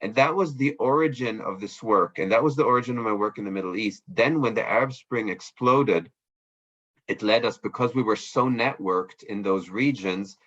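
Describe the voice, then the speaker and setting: Middle-aged male interview guest, lowish pitch, reflective and self-effacing, explains at length, slightly dull audio. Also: normal speed, fairly bright tone. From Israel, East Africa and Switzerland. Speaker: interview guest, hostage negotiator and lawyer. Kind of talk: reflective conversational interview answers.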